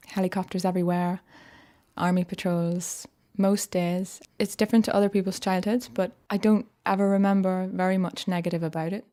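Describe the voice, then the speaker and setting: A woman in her thirties from Northern Ireland with a Northern Irish accent, telling her own life story in a relaxed, reflective, conversational way. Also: on the low side. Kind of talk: personal story narration. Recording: soft music behind.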